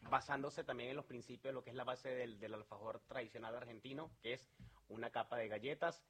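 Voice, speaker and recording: A man's voice: medium pitch, a little fast, a bit bright, slightly rough. A man from Venezuela with a Venezuelan accent, talking earnestly as a sales manager in an interview, with many fillers and restarts.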